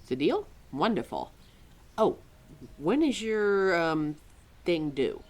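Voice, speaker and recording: A woman's voice: fairly low pitch, takes it slowly, exaggerated voice. A woman playing a chatty, indignant keeper of forgotten lore in an ad-libbed audio roleplay, rambling and often talking to herself. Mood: helpful, chatty. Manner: rambling, talks to self, animated, sighing.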